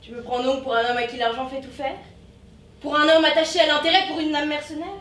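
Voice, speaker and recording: A self-important, lecturing doctor who rattles off endless points, played on stage by a young woman. The voice sits high and carries through a roomy hall, heard from some distance with a faint hiss underneath. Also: flat delivery, fast talker, fairly bright tone. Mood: pompous. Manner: lecturing, declamatory, long enumerations. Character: pompous pedantic male doctor, self-important. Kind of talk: stage comedy acting. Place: theatre stage. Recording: roomy stage sound from afar, faint noise.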